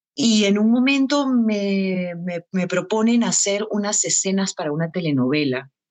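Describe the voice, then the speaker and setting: A woman's medium-pitched voice at a fairly slow pace, lively in intonation, with hardly any pauses. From Peru, Lima. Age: 40s. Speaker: actress. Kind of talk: podcast interview. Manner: hesitant, many fillers.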